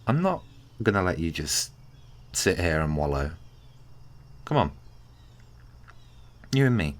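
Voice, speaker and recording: A man playing a kindly, awkward, flirtatious tiny friend in an intimate ASMR roleplay, speaking gently and hesitantly with caring, teasing warmth. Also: sits low, big pitch swings, slow, heavily acted. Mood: encouraging, shy. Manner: gentle, hesitant, bashfully rambling.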